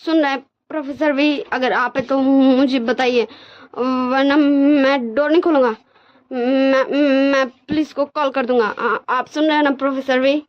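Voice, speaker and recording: A woman's voice: high voice, steady tone, measured pace. A woman voicing a timid young married man who stammers and pleads, tearful and scared, in a dull lo-fi recording. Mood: scared pleading.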